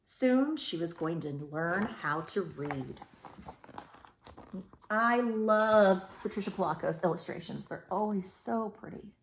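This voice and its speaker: Female children's read-aloud librarian, medium pitch, expressive storytelling, noticeable room echo. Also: takes it slowly, a little hiss or hum.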